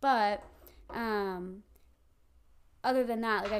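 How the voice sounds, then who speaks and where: Here is a woman with an unremarkable speaking voice. Her pitch sits in the medium range and her intonation stays fairly even. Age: 20s. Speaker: podcast host and nurse. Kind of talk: casual chat.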